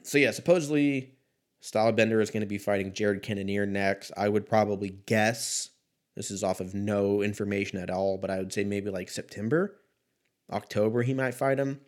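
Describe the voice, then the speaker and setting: Low-voiced, casual man in his thirties. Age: 30s. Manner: laid-back, rambling, profane. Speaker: host of a sports talk show. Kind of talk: casual solo commentary.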